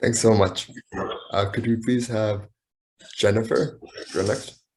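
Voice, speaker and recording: A very deep-voiced man hosts an online meeting and politely invites each participant to introduce themselves. He keeps his requests formal and courteous, and the sound comes through a video call. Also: steady tone, slow pace, a little mellow, slight background noise, low-quality recording. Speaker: webinar moderator. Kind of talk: calling on speakers in an online meeting.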